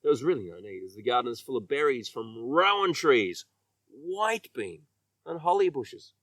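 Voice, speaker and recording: A man reading a children's story with expressive, emphatic delivery, letting his phrase endings trail off. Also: mid-range voice, normal speed, dry recording, far from the mic. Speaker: children's author reading own book.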